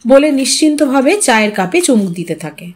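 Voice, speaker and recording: High-voiced woman storyteller. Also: lively intonation, a little fast, a little mellow. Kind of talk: expressive narration of a literary story.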